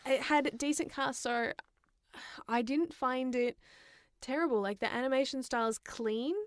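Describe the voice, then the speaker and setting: A woman's voice: high voice, measured pace, dry recording. A young woman co-hosting a podcast, talking about films and games in a casual, chatty and conversational way. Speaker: podcast co-host.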